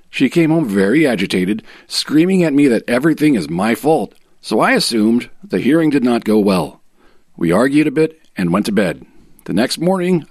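A man voicing an aggrieved husband in a dramatic reading of a sworn legal statement, measured, formal and self-righteous. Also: mid-range voice, darkish tone, no echo.

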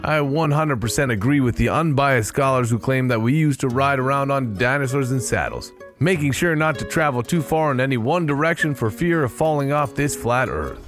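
A man's voice: mid-range voice, normal speed, few pauses, fairly bright tone, faint music behind. A man narrating an audio drama in the first person with a dry, sardonic manner.

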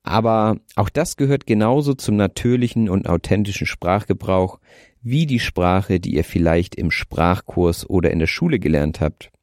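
A young man in his twenties with a light north German accent reads his prepared podcast script in a careful, deliberate way. His voice sits very low and dark, and the sound is close and dry, with no room ring. He speaks into a handheld mic from under a blanket in bed. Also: animated, dry recording. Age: 20s. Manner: careful, deliberate delivery aiming for standard German. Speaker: podcast host. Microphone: handheld microphone.

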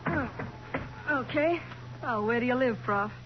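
A woman's voice: fairly high pitch, unhurried, close to an everyday voice. A woman playing a brassy, slangy young nightclub moll in a 1940s radio crime drama. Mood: wheedling. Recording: muffled, very noisy vintage radio recording.

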